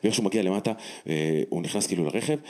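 A man telling a personal story as testimony, animated and emphatic, acting out the dialogue as he goes. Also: low-pitched.

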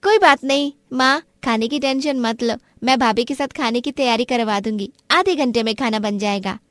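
A woman playing a kind, outspoken young sister-in-law in an animated family story, speaking persuasively. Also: a little high, moderate pace, no room sound, clean studio sound, natural voice. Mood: pleading, insistent. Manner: persuasive, supportive.

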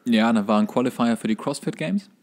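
Fast-talking young man with dry humour. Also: mid-range voice. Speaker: podcast co-host. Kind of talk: casual banter.

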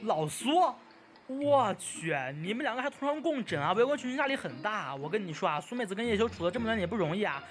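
A woman's voice: mid-range voice, lively intonation, fast talker, faint music behind, natural voice. A woman playing a talkative, hot-headed young man who boasts and exclaims in an audio drama. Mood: teasing. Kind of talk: fan audio drama dialogue.

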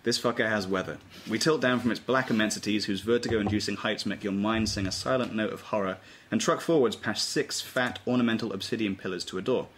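A man's voice: on the low side, a little fast, a bit bright. A man giving scripted narration, reading stage directions at a table read. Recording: faint room noise.

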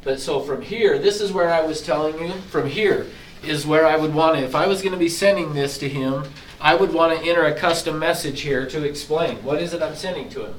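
A somewhat higher-pitched man teaching a class of agents, casual and self-deprecating as he explains each step. His voice is getting hoarse. He sounds roomy and set back from the microphone, with a faint hiss underneath. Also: a little fast. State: losing his voice, throat-clearing. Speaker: real estate agent trainer. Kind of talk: software training walkthrough. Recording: echoey room from far off, faint hiss.

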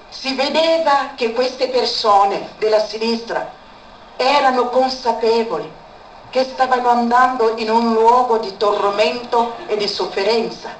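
Woman sharing a personal testimony, emphatic repetition; faint noise behind, reverberant space. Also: a little high. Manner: repeats words for emphasis. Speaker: speaker giving a testimony. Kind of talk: emotional spoken testimony. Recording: echoey room, far from mic, faint background noise.

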